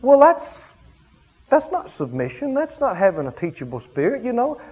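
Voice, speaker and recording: A male pastor preaches with emphatic repetition. His voice is high and husky. The recording sounds dull and lo-fi. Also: wildly swooping pitch, normal speed. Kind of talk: sermon.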